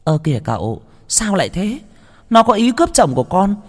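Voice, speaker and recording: A spoiled young mistress, put on by a male storyteller, jumping between screeching curses and sulky whining far above his own pitch. The words ring out in a long echo, as in a storybook audio drama. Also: sing-song, a little fast. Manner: screeching, cursing, whiny. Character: spoiled cruel young mistress, shrill, vicious.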